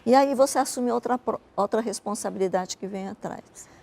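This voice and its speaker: Older woman with a gravelly, mellow voice. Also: a little high, normal speed. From Japan. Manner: reflective storytelling, frequent "né" tags. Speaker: interview guest, businesswoman. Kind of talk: conversational interview.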